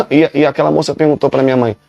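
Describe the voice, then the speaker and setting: A man's voice: fairly high pitch, steady tone, fast talker, vocal fry, darkish tone, no echo, dull audio. A male pastor, telling his own conversion story emphatically and with many repetitions. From Rio de Janeiro, Brazil. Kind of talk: preaching a personal testimony.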